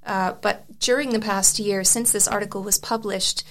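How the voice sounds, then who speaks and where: Speaking at a normal speed in a steady, mid-range, fairly bright voice, a young native Serbian speaker appears as an interview guest. She wrote the article under discussion and lays out her views thoughtfully in a conversational way, often restarting and using fillers.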